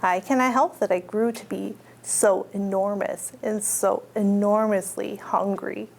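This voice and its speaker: A woman's voice: medium pitch, fairly even intonation, a little slow, creaky, a little mellow, slight background noise. A woman hosting a children's storytime as a librarian, reading picture books aloud in simple child-directed talk and putting questions to her little listeners.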